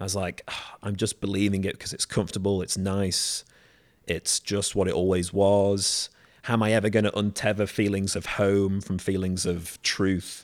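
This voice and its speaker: A man with a northern English accent speaks at a fairly low pitch in a monotone, flat intonation. The recording is very clean, with a silent background. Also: moderate pace. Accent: soft northern English. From northwest England. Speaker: guest. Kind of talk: casual interview chat.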